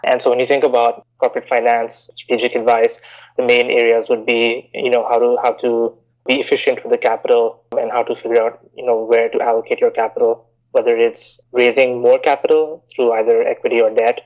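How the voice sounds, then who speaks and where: A man in his thirties from India, raised in Bahrain, answering interview questions in a measured, explanatory way with frequent "you know" fillers. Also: mid-range voice, flat delivery, a little mellow, highs cut off. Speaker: guest, investment banker.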